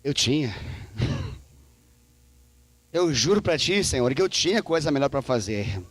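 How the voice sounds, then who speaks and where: A man's voice: mid-range voice, measured pace, no echo. A man preaching a sermon in a Brazilian Portuguese accent, playful and joking, acting out dialogues in shifting voices. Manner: animated, acts out dialogues with God in shifting voices; playful, joking and laughing with the congregation. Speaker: pastor. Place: church service.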